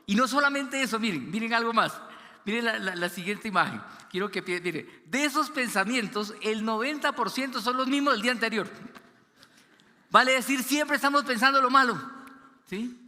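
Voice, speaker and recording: A man preaching a sermon as pastor, animated, acting out quoted voices and dropping low and quiet for serious stories. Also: moderate pace. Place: church hall. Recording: long church reverb.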